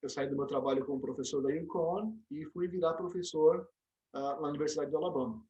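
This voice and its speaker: A middle-aged Brazilian man being interviewed, telling animated stories with frequent restarts and tag questions. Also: a little high, a little fast, highs cut off. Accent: Brazilian Portuguese. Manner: storytelling, animated, many restarts and "né?" tags. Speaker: interview guest, dentist and program director. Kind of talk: casual interview conversation.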